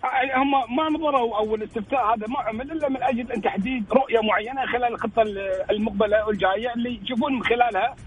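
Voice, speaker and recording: A man's voice: extremely high pitch, very fast, music in the background, poor audio. A man, a sports pundit in a heated radio debate, insistent and stumbling over his words.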